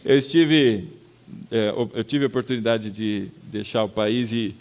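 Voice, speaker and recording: A man with a Brazilian Portuguese accent preaching a sermon as pastor, telling stories with sudden loud acted-out outbursts and calling his listeners brother. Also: lowish voice, unhurried. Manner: addresses the congregation as brother.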